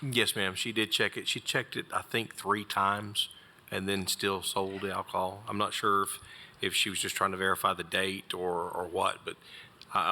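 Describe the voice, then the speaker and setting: Low, flat-voiced sheriff's officer. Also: male voice. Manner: plain, halting account with restarts. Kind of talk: testimony at a public hearing. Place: county board meeting room.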